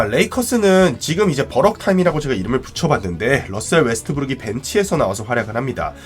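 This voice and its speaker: A man with a stuffy, cold-affected voice giving explanatory, analytical sports commentary over basketball highlights as the host. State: has a cold, congested stuffy voice.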